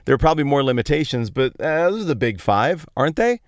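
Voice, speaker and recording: With big pitch swings and a quick pace, a medium-pitched American man tells Bible stories for his podcast in a casual, colloquial monologue with playful emphasis. He's from Colorado and recorded in a parked truck, though the sound is clean studio quality with no room sound.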